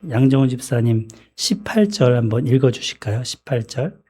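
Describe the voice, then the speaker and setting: A man preaching a sermon in a church, speaking in a measured way and often clearing his throat. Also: mid-range voice, animated, mellow. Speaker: pastor.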